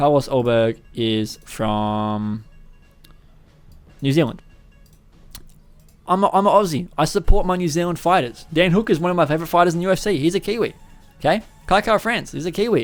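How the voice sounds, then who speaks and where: Over background music, the speaker moves at a fairly quick pace with very wide pitch swings and long, frequent pauses. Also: man, high pitch for a man. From Australia. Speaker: MMA commentator / YouTuber. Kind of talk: solo fight breakdown commentary. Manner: animated; casual, swearing.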